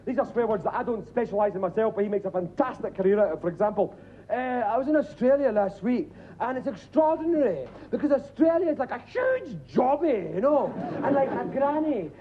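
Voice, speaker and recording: Scottish comic guy on stage, sarcastic and stammery, audience noise, phone-thin sound. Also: very high-pitched. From Scotland. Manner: sardonic, stammering, mock-dramatic. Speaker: stand-up comedian. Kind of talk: abrasive stand-up routine. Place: studio stage before a live audience. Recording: tinny lo-fi TV recording with audience.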